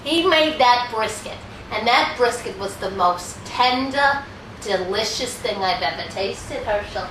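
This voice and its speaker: A woman's voice: fairly high pitch, lively intonation, a little slow. A woman playing a fussy, dramatic elderly wife who nags fondly in a comedy sketch. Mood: grudging fondness. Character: elderly wife Maxie, fussy, nagging yet fond. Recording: echoey room, distant mic, faint noise.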